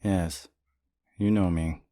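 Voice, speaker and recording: Brief: male actor as a cold, low, slow-talking werewolf traitor. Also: steady tone, dark tone, no echo, clean studio sound. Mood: menacing. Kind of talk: fan audio drama acting.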